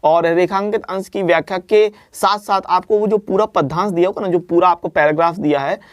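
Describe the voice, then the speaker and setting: A man's voice: high-pitched, fairly even intonation, a little fast, no echo. A man teaching an exam-prep lesson, explaining answers step by step and often checking in with the listener. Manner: explanatory, repeats "ठीक है ना" often.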